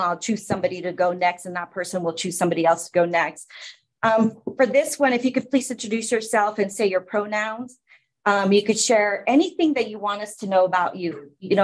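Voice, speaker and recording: A woman's voice: medium pitch, poor audio. A woman from the Philippines facilitating a public city commission meeting, explaining informally with many fillers.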